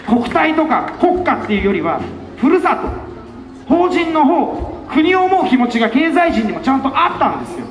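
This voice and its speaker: A man delivers an impassioned outdoor campaign speech through a loudspeaker, his voice pitched unusually high and lively. He talks in a fiery, rhetorical way and keeps breaking into shouts. The sound rings with a long echo, and faint music plays behind him. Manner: fiery, rhetorical, with repeated questions and bursts of shouting. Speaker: election campaign speaker. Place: outdoors in front of a busy station.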